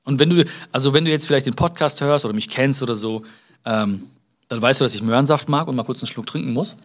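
A man's voice: medium pitch, fast talker. Podcast host, man from Germany, casual self-help monologue, mid-range voice, chatty, checks in with the listener often, hesitant restarts. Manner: chatty, addresses listener directly with frequent tag questions; hesitant restarts and filler sounds.

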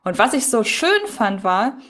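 A woman's voice: fairly high pitch, sing-song, measured pace, a bit bright. Woman chatting as a podcast co-host. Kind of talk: casual podcast discussion of an audio drama episode.

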